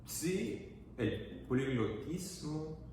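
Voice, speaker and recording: A man hosts a casual interview, building his questions slowly and hesitantly. The recording is distant and very roomy, with clear noise in the background. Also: on the high side, expressive. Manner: thoughtful, hesitant, many fillers. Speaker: interview host.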